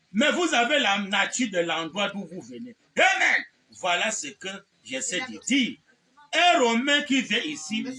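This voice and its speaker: A man preacher delivering a fervent sermon, shouting and calling out repeated amens. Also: high-pitched. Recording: distant mic with faint background noise.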